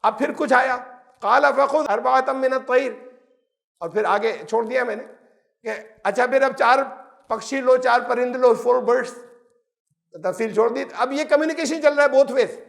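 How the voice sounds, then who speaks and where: An older man gives a Quran lesson in a strikingly high, gravelly voice. He quotes Arabic verses, translates them and answers his own rhetorical questions, dropping English words into his talk. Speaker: Quran teacher.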